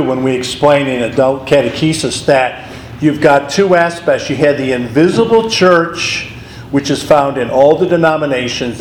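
Hoarse man teaching a church class. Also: mid-range voice. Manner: explanatory, calls on readers by name. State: hoarse from laryngitis. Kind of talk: adult catechesis class. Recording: echoey room, faint noise.

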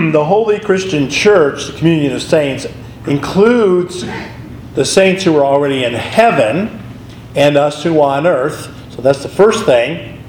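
Slightly high, hoarse male teacher, church class, roomy sound. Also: a little mellow. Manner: explanatory, calls on readers by name. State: hoarse from laryngitis. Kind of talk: adult catechesis class. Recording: echoey room, faint noise.

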